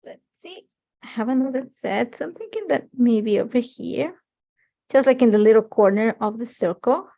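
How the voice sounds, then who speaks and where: A woman's voice: on the high side, normal speed, dark tone. A middle-aged woman with an Ecuadorian Spanish accent, a native Spanish speaker, chatting casually and thinking aloud as she leads a live crafting demonstration. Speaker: crafting host. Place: crafting desk, overhead camera. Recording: dull lo-fi stream audio.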